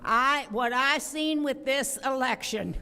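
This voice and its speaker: A woman's voice: high voice, takes it slowly, bright, forceful tone. A woman making a rambling, pointed public comment at a city council meeting. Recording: long reverb of a council chamber.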